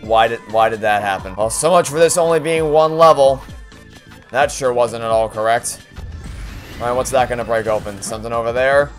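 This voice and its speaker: During his let's play, a young man keeps up a stream of sarcastic, exasperated gameplay remarks, complaining and cursing often. He speaks at a medium pitch and moderate pace while music plays faintly behind.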